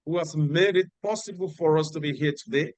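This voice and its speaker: Male workshop host on a video call, instructive and repetitive, slightly high voice, dry sound. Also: darkish tone, dry recording. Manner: instructive, repeats key details slowly. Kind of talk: announcements at an online meeting.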